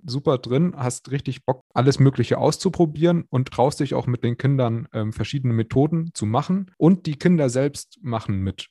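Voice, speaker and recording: A man's voice: mid-range voice, gravelly, mellow, no room sound, studio quality. A man hosting a podcast interview, asking questions in a friendly, casual way. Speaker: podcast host.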